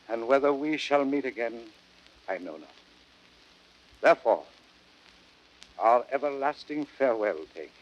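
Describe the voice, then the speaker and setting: Stern, proud Roman general, noisy recording. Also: male voice, on the low side. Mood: solemn, resolute. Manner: declamatory, measured theatrical verse delivery. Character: Brutus, proud, stern, honour-bound Roman general, stoic in grief. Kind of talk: classical Shakespearean audio drama acting. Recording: noisy vintage drama record.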